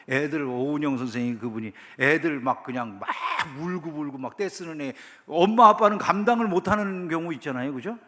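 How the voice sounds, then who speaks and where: A man's voice: medium pitch, fairly bright tone, in a large hall. A man preaching a sermon as pastor, talking conversationally and often asking the congregation questions. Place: church sanctuary.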